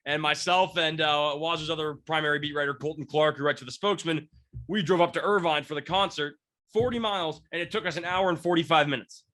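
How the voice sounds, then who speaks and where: Speaking at a quick pace with a sharp tone, this slightly high-voiced sports beat writer in his twenties sounds stuffed up from a cold. He hosts a laid-back sports podcast from near Seattle, Washington, rambling through fillers and restarts.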